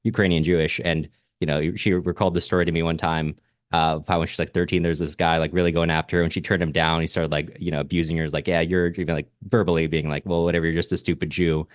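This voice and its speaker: A man's voice: sits low, level tone, quick pace, dry recording, studio quality. A man co-hosting a book podcast, talking casually in an informal, rambling way. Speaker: podcast co-host. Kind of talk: casual literary discussion.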